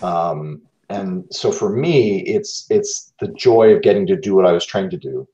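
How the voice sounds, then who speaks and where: A man speaking as a guest voice actor in a reflective interview, halting and thoughtful, repeating words as he searches for the next phrase. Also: low-pitched, expressive, dark tone, reverberant, dull audio.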